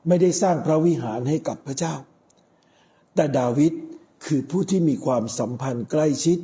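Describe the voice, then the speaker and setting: Casting: middle-aged male priest, very dark mellow tone, unhurried sermon delivery with pauses. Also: a little high. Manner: measured, with frequent pauses. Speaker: Catholic priest.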